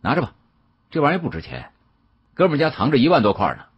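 Cocky young male challenger performed by a male reader, flippant, slangy, very husky, lively pitch, audiobook. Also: fast, full character voice. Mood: boastful. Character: cocky, sneering young man, brash antique challenger. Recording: dull, muffled audio.

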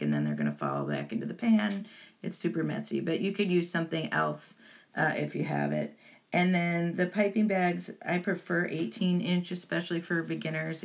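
Low-pitched woman with creaky voice, chatty tutorial. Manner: chatty, encouraging to beginners. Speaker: baking tutorial host. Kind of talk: informal step-by-step tutorial voice-over.

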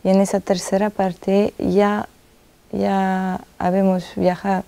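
A young woman from France, a film director speaking, answering interview questions in a halting, thoughtful way with many pauses and self-corrections, seated in a dark cinema auditorium. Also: medium pitch, completely flat delivery, vocal fry, smooth. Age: young adult.

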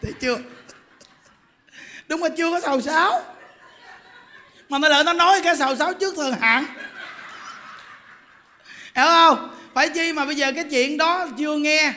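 A man preaching a lively Dharma talk, constantly checking in with rhetorical questions. His voice sits high and sounds bright and forceful. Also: moderate pace, pauses often. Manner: animated, teasing, full of rhetorical questions. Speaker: Buddhist monk.

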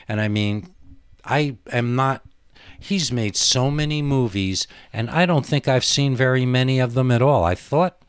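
A man's voice: medium pitch, clean tone, no echo, clean studio sound. A man hosting an internet broadcast with casual, rambling commentary, often interrupting himself.

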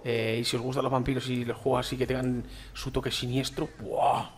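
A man's voice: medium pitch, flat delivery, quick pace, a little hiss or hum. A man from Spain with a Spain Spanish accent, casually commenting on a game as he plays it, slangy and chatty, talking straight to his viewers. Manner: chatty, slangy, addresses viewers as "chicos" and "tío". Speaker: gaming YouTuber.

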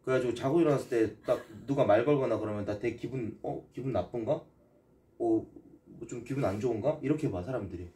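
A man's voice: mid-range voice, brisk, warm tone, far from the mic. A man streaming casual chat, pleading and asking the same questions again and again. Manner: pleading, repeats questions over and over.

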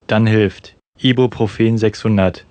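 A man's voice: fairly low pitch, steady tone, a little slow, a little mellow, dry recording. A man announcing parody adverts and radio promos in a scripted comedy audio play.

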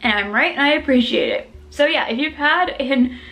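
Chatty woman tasting desserts, gravelly. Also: sits high, moderate pace, bright, forceful tone, faint music behind. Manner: chatty and self-deprecating, talks while chewing. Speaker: food vlogger. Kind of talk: mukbang tasting commentary.

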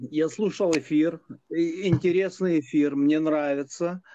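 Slow, halting man on a dull call. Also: a little high, mellow, a little hiss or hum. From Lviv, Ukraine. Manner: halting, deliberate, drawn-out hesitations. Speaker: caller on live stream. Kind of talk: unscripted debate. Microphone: internet video call.

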